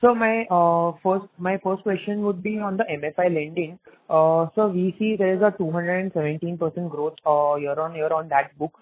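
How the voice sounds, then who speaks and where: A man's voice: high voice, fairly even intonation, normal speed. A man on a conference call asks questions over the phone, politely calling the others sir. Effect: heard over the phone. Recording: tinny dry phone line.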